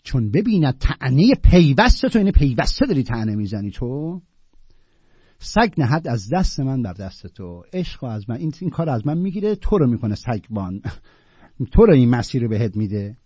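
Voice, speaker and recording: A man's voice: medium pitch, big pitch swings, dark tone, husky, dry recording, highs cut off. Man reciting and explaining Sufi verse. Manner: recites verses with rising emphasis, then explains in loose colloquial talk. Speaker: teacher of Sufi poetry. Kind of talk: casual spoken commentary on classical poetry.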